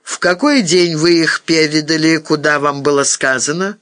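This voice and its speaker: A man's voice: a little high, normal speed, fairly bright tone, no echo, clean studio sound, natural voice. A man playing a cold, menacing middle-aged colonel who speaks curtly. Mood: icy. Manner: icy, curt.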